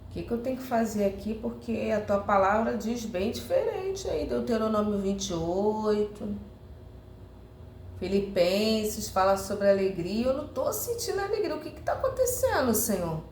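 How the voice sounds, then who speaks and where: A woman's voice: mid-range voice, very animated, moderate pace, darkish tone. A Brazilian woman preaching earnestly, often addressing her sisters and acting out heartfelt prayers. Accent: Brazilian Portuguese. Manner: earnest, repeating "irmãs" often; acts out heartfelt prayers to the Lord. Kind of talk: sermon. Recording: roomy echo, faint noise.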